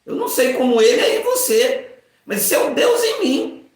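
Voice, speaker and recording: Man, 50s, pastor; animated informal sermon, acts out bits; very echoey room. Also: very high voice, normal speed. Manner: animated, acts out voices and jokes.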